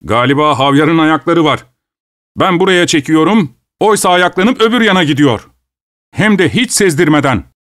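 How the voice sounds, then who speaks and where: A man's voice: on the high side, animated, moderate pace, fairly bright tone, no room sound, studio quality, pitched above the performer's own voice. A man voicing a greedy, shameless male dinner guest, speaking in a smug, leisurely manner with feigned innocence.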